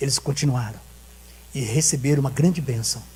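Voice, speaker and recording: Male speech, moderately paced, its pitch varying in an ordinary way. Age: 60s. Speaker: pastor. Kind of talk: sermon. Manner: animated.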